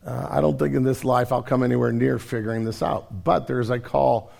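A male pastor preaching a sermon, hoarse and raspy from a cold, earnest and self-deprecating in a conversational way. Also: medium pitch, fairly even intonation, brisk, a little mellow.

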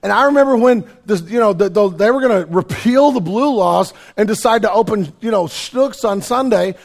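A middle-aged man, preaching a sermon in a conversational, self-deprecating way with joking asides, his voice raspy and hoarse from a cold. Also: high voice, normal speed. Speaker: pastor.

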